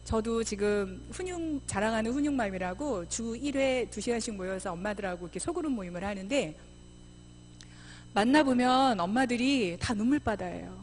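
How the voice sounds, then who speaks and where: A middle-aged woman missionary giving a church seminar talk, lively, often acting out mothers and children in quoted voices. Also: a little high, normal speed, a little hiss or hum. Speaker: missionary speaker. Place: church sanctuary.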